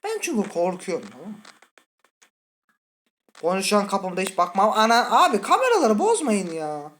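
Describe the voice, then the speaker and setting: A gaming channel host plays a horror game and gives let's-play commentary straight to his viewers, jittery, scared, and muttering curses. His high, slightly bright voice swoops wildly in pitch at a moderate pace.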